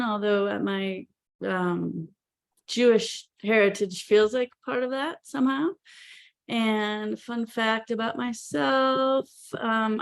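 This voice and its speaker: A woman from Illinois introducing herself on a video call, speaking slowly with thoughtful pauses. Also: a little high, creaky. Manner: slow and thoughtful, pausing.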